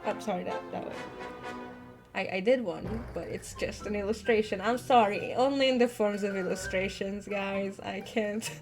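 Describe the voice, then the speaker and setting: A woman's voice: mid-range voice, moderate pace, faint music behind. A woman webcomic artist chatting casually as she answers fan comments, laughing often and swearing freely. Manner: giggly, chatty, laughs often between sentences. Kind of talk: casual Q&A chat.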